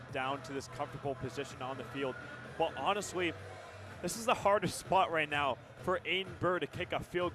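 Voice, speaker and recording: An American man provides color commentary on live football. His voice is a little high for a man, and he talks in a conversational, analytical way. A stadium sound bed is clearly heard behind him.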